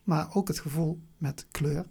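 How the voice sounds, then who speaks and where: A person with a southern Dutch accent talking reflectively in an interview, haltingly, often searching for words and repeating them. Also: mid-range voice, creaky, mellow, breathy edge. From Venlo, Limburg, Netherlands. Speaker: interview guest.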